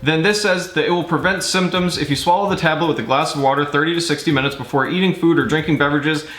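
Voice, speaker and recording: A man's voice: fairly high pitch, steady tone, fast talker, a bit bright. A man giving casual instructions to camera in a vlog, with a wry, joking manner. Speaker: challenge vlogger. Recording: roomy echo.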